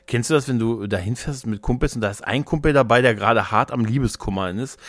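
A man's voice: medium pitch, fast, a bit bright, dry recording. A man in a casual, joking, colloquial podcast chat, telling anecdotes. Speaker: podcast host.

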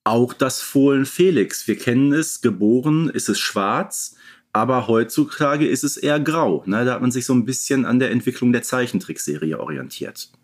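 A man's voice: mid-range voice, animated, normal speed. A man co-hosting a podcast, talking casually as a fan and explaining points in an informal discussion. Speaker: podcast co-host.

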